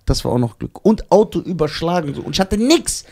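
Gravelly-voiced animated young German man. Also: on the high side, quick pace, a little hiss or hum. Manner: animated storyteller, acts out voices, laughs at himself. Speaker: podcast co-host. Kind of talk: casual storytelling chat.

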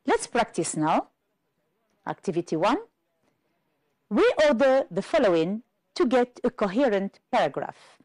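Woman teacher, unhurried and precise, melodic delivery, dry studio. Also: medium pitch, sing-song, darkish tone, no room sound. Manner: careful, deliberate, spells out pronunciation. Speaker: English teacher. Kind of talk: slow clear classroom instruction.

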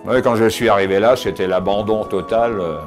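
An older man giving a casual tour of his cave home, talking with many pauses and fillers, recorded on a camera mic as he moves around. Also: fairly low pitch, fairly even intonation, faint music behind. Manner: hesitant, many fillers and restarts. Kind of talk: casual spoken house tour. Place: inside stone cave rooms and outdoors by cliffs.

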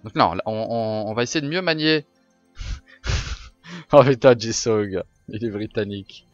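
A man streaming a card-pack opening, chatting casually with his viewers, swearing and getting excited. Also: lowish voice, a little slow, muffled recording, soft background music. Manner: excitable, swears, talks to chat. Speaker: gaming streamer. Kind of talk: casual game commentary.

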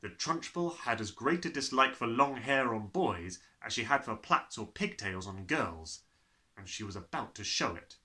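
A man's voice: medium pitch, moderate pace. A young man reading a children's story aloud as a theatrical, dramatic narrator. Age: young adult. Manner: theatrical, animated.

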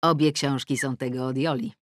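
A middle-aged woman narrates a first-person comic novel as an audiobook, wry and self-mocking, sinking into sulky mutters and rising into exclamations. Her voice is extremely low and steady in tone at a moderate pace, with no echo.

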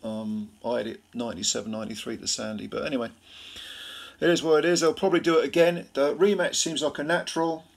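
Tired gravelly man recapping a fight. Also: medium pitch, fairly even intonation, fast. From Britain. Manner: rambling with many fillers and restarts. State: tired, late at night. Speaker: boxing commentator.

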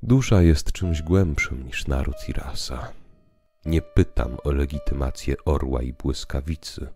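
A man voicing a proud, quietly steely woman with composed, resolute, solemn delivery in a literary audio drama. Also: very deep voice, unhurried, faint music behind. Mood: calm, resolute.

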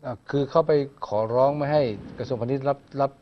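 Quick, colloquial male news co-host, muffled lo-fi audio. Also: medium pitch, steady tone, a little hiss or hum. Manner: quick, colloquial, prodding questions. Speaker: news talk show co-host. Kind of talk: conversational news commentary.

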